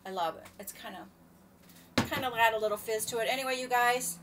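A woman's voice: a little high, brisk. Chatty woman venting from her kitchen. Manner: rambling, chatty complaining. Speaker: vlogger. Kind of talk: casual chat to camera. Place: home kitchen, indoors. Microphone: laptop webcam from a few feet away. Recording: distant laptop mic, faint room noise.

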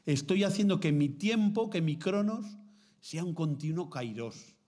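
A man's voice: fairly high pitch, a little slow. A man from Spain, a priest and theology lecturer, gives a formative talk to contemplative nuns, telling stories with acted quotes and checking in with the listeners. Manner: lively storytelling with acted quotes, frequent "¿mm?" check-ins. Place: seminary lecture hall.

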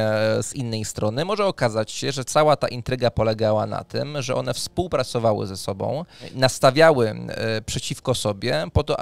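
A man in his thirties hosting a talk on tabletop games, speaking haltingly into a close microphone. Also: medium pitch, creaky, no room sound. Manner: halting, hesitant delivery with drawn pauses. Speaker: podcast host. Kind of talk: conversational presentation of tabletop RPG ideas. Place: small dim room indoors, on video call. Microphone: close studio microphone on arm, headphones.

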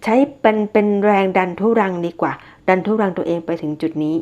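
A lower-pitched woman talks through a monthly tarot reading in a loose, chatty way. She circles back, repeats phrases and fills pauses as she goes. The recording is dull and lo-fi. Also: darkish tone. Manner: chatty, repeats herself, frequent fillers and polite particles. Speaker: tarot reader. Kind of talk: casual monthly horoscope reading.

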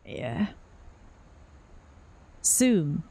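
A woman's voice: fairly low pitch, very animated, extremely slow, gravelly, mellow, breathy edge. A young woman streaming a game, musing aloud with murmurs and casual reactions. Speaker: gaming streamer. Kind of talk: casual let's-play commentary.

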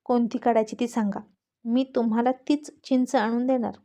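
A cheerful, cheeky young village man, nimble and eager to help, as a woman storyteller puts him on. The voice stays warm and fairly high, barely changed from the reader's own. His speech is respectful but playful. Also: steady tone, moderate pace, lightly acted.

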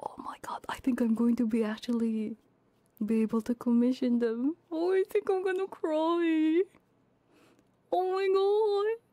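A woman's voice: high voice, fairly even intonation, measured pace, no echo. A tearful woman chatting casually as a livestream host, flustered and apologetic, close to the microphone. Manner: flustered, self-deprecating, apologetic, drifting into soft whispers. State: tearful, crying while laughing. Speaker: ASMR streamer and Vtuber host. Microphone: binaural ASMR microphone, close.

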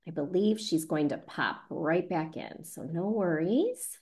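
A woman's voice: low voice, expressive, a little slow, a little mellow. A woman casually hosting a video call in a reassuring, encouraging way. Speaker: online event host.

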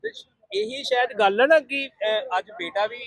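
Gravelly high-voiced male reporter. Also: very animated, moderate pace, fairly bright tone, no room sound, poor audio. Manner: friendly, prompting questions. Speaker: interviewer, reporter. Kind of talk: street interview.

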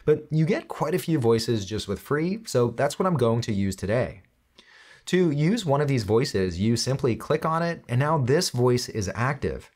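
A man in his thirties hosting a software tutorial, explaining each step in a clear, instructional way straight to the viewer. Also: mid-range voice. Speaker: tutorial host.

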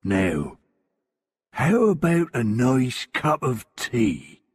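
A calm, kindly older man offers comfort, as a male reader puts him on in slow, steady storybook speech. The pitch moves freely and the recording is dry. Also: husky, no echo, full character voice. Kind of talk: storybook reading for English learners.

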